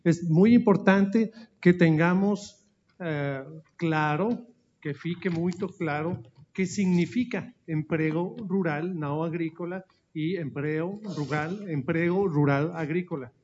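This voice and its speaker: A man who speaks Portuguese as a second language, with a Spanish accent and Spanish mixed in, gives a formal slide presentation at an anniversary event, pausing often to search for words. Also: on the high side, a little mellow. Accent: Spanish-speaking, mixing Spanish into Portuguese. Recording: dull lo-fi audio.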